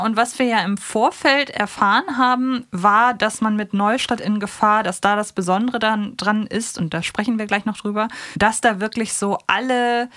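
A woman's voice: a little high, a bit bright, dry recording, studio quality. A woman co-hosting a podcast, reviewing in a conversational, reflective and opinionated way. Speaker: podcast co-host. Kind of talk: conversational review of a children's audio drama.

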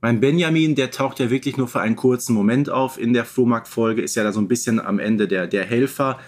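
A man's voice: medium pitch, a little fast. A man co-hosting a podcast in a casual, conversational style. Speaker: podcast co-host.

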